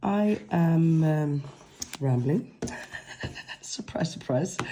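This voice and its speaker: Amid noticeable background noise, a woman with a fairly low pitch talks at a very slow pace with lively intonation. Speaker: crochet instructor. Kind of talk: tutorial.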